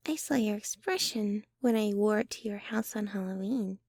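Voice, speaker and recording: A woman playing a sweet, shy, obsessively devoted young girlfriend in an ASMR roleplay, speaking softly and bashfully, often close to a whisper. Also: medium pitch, dry recording, close to an everyday voice. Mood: playful, teasing. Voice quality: soft, breathy, often near whisper. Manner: bashful, giggly, halting, gushing. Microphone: close microphone, dry sound.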